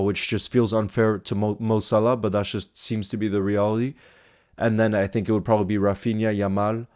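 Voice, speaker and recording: A man's voice: on the low side, a little mellow. A man hosting a casual football live stream, answering viewer comments in a chatty, thinking-aloud way with small restarts.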